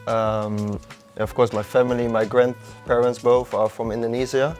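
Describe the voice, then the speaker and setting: A young man from the Netherlands speaks with a Dutch accent as a guest in a casual interview. He talks in a laid-back, hesitant way, pausing often to find his words. His pitch sits in the middle, and faint music plays underneath. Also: little pitch movement, darkish tone. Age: young adult. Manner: laid-back, hesitant with many ums and uhs. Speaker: guest footballer.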